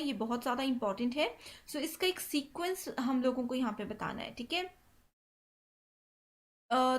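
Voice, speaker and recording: A woman's voice: high-pitched, a bit bright. A young woman teaching an online exam-prep lecture in Hindi mixed with English terms, checking in with "theek hai" after nearly every point. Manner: repeats "ठीक है" constantly, mixes English terms into Hindi.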